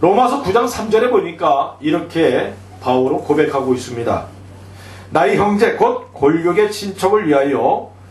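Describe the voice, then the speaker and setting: A man's high-pitched voice at a fairly slow pace, very wide pitch swings, with audible room echo and noticeable background noise. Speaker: pastor. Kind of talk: sermon.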